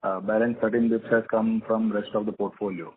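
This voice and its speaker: A man with a husky voice, briskly and insistently questioning management as an analyst on an earnings call. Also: on the low side, flat delivery, slight background noise. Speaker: analyst caller asking questions. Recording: muffled narrow phone line.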